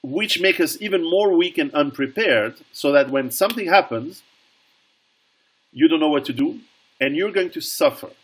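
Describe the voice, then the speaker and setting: A man's voice: fairly high pitch, animated, moderate pace, breathy edge. A middle-aged man speaking as a guest author over a video call, earnest, often restarting and repeating words.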